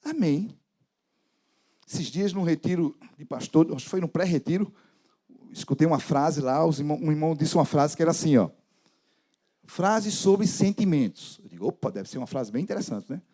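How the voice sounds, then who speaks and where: A man preaching a sermon as pastor, dramatic, with sudden soft drops in his voice. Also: on the high side, animated, normal speed.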